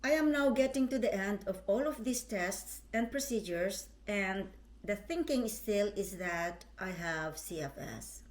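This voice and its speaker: A middle-aged woman from the Philippines, slowly and carefully reading a prepared personal statement as a vlog host. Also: mid-range voice, lively intonation. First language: Tagalog.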